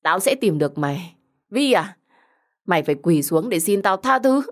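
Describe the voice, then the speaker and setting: A woman's voice: on the low side, lively intonation, normal speed. A woman voicing a betrayed young woman in an audio story, pleading, agitated and urgent as she makes angry threats. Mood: furious, betrayed.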